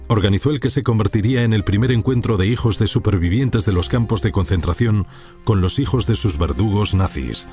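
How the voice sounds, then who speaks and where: A man reading scripted documentary narration in a measured, solemn way. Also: lowish voice. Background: music.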